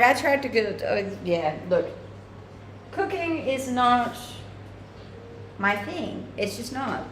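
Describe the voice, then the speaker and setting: A woman's voice: medium pitch, fairly bright tone, reverberant, slight background noise. A Danish woman with a Danish accent, chatting casually with her livestream viewers while she cooks, laughing often. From Denmark. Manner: chatty, laughs often, reads chat aloud. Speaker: live streamer. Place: home kitchen.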